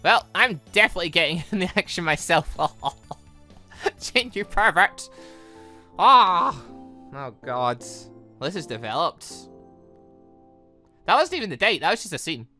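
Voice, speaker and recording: A woman's voice: on the low side, big pitch swings, unhurried, long pauses, pushed and bright, faint music behind. A woman giving casual, chatty let's-play commentary on a visual novel, rambling through giggly asides. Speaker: gaming video host.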